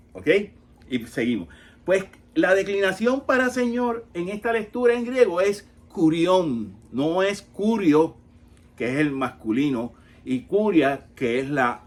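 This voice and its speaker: A man in his fifties, a Catholic catechist, teaching on a Bible reading in a conversational way, pausing often and asking rhetorical questions. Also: fairly high pitch.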